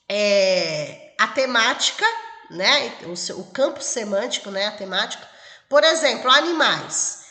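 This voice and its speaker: A woman's voice: high voice, pushed and bright. A Brazilian woman teacher giving an exam-prep lecture, explaining step by step and checking in with the class. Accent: Brazilian Portuguese. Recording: echoey room with long reverb.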